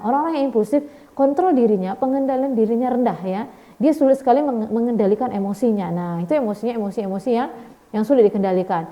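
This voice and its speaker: A middle-aged woman lecturer with a high, mellow voice, teaching in a recorded video lesson. She explains patiently and keeps adding "ya", slipping in English words. She acts out small classroom exchanges with sudden jumps in pitch. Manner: frequent tag "ya" and Indonesian-English code-switching. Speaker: university lecturer.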